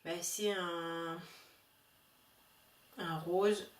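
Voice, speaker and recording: A woman's voice: on the low side, steady tone, very slow, echoey room, far from the mic, a little hiss or hum. A woman chatting casually about beauty products she bought, hesitant with many fillers. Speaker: beauty vlogger. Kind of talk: casual haul video chat.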